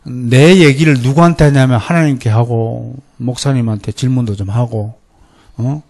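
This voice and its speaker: A middle-aged male pastor with a Gyeongsang accent, preaching a sermon lecture in a lively, animated way, often mimicking others. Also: medium pitch, normal speed, vocal fry. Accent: Gyeongsang Korean. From Gyeongsang region, Korea. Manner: lively, animated, mimics people in quoted voices.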